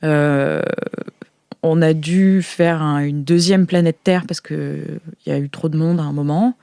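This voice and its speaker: A naive young woman from a sci-fi future, acted by a woman in an audio role-play, speaks in a lowish, dry-recorded voice. She is eager and earnest, often puzzled, and explains her world hesitantly. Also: fairly even intonation, a little slow, warm tone, clean tone, dry recording. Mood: earnest explaining.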